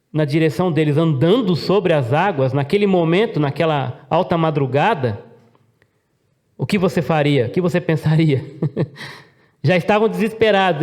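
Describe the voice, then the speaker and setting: A middle-aged Brazilian pastor preaching to his congregation. His voice sits a little high for a man, and he keeps turning to the listeners with questions. He acts out the lines of the people in his story. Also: darkish tone. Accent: Brazilian Portuguese. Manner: rhetorical questions to the congregation, dramatic voiced quotes. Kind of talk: sermon.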